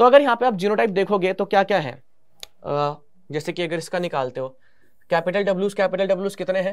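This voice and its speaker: Delivered at a moderate pace, the speech rises and falls in pitch in an ordinary way. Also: man, high pitch for a man. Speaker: biology teacher. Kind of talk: online lecture. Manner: casual and conversational, mixing Hindi and English.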